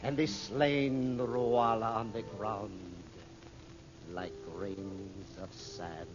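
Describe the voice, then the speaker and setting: A man's voice: lowish voice, steady tone, heavy background noise. An actor playing a solemn Arab desert storyteller in old radio drama style, declaiming and drawing out his words like a chant. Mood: mournful, hushed. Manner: slow, declamatory, drawn-out chanting cries. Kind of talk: 1940s radio acting, chanted tale. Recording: muffled vintage radio recording with music. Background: music.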